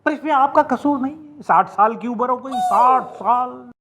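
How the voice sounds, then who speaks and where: An actor playing a sly senior police officer who teases with a drawl in a TV sitcom. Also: male voice, very high-pitched, normal speed, a bit bright. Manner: drawling, teasing. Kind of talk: TV sitcom acting.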